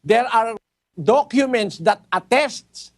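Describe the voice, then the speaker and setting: A man's voice: very high voice, lively intonation, takes it slowly. A man, a preacher giving an emphatic, corrective Bible lecture to a caller, repeating his points and switching into English.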